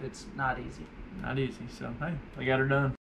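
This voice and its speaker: At a moderate pace, a man's speech comes through noticeable background noise. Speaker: fishing channel host. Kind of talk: casual vlog chat. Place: home room. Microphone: camera far.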